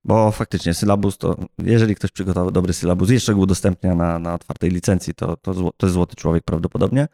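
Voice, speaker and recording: A man's voice: low-pitched, little pitch movement, fast talker, gravelly, hardly any pauses, mellow, no room sound, studio quality. A man co-hosting a podcast in casual conversation, often chiming in with short agreements. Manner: brief, agreeing interjections. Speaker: podcast co-host.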